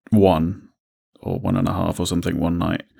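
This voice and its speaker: A man speaks with ordinary pitch variation. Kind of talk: casual podcast discussion.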